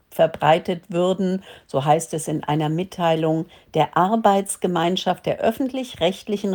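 A woman hosts a political talk show with a somewhat low, dark, mellow voice. She talks in a sarcastic, mocking tone. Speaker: host.

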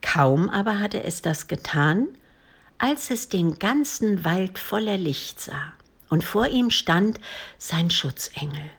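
A woman reading a children's story aloud in a calm, clear storytelling manner. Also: lowish voice.

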